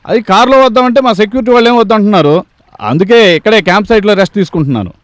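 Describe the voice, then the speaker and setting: A man playing a smooth-talking minister. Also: high-pitched, racing, dry recording, lightly acted. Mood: calm. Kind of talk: 1980s film drama.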